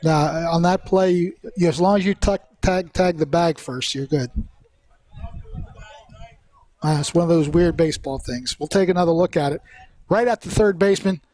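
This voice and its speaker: A man with a notably high-pitched, brisk voice and a darkish tone calls baseball live as a play-by-play commentator. He keeps it conversational and slips in his own asides.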